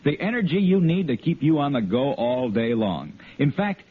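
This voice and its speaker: A man's voice: mid-range voice, expressive, normal speed, slightly rough. A man announcing a 1950s radio show and its commercial in a hearty, upbeat way. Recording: tinny old radio broadcast.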